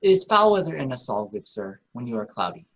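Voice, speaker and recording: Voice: medium pitch, big pitch swings, fairly quick, a bit bright, breathy edge, exaggerated voice. A performer reading a kindly, talkative, optimistic old courtier in a Shakespeare radio play, with earnest, wordy delivery. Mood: gently reproving.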